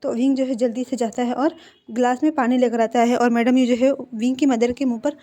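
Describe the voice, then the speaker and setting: High, mellow woman retelling a story. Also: fairly even intonation, fairly quick. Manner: conversational, with filler phrases. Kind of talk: casual retelling of fan fiction.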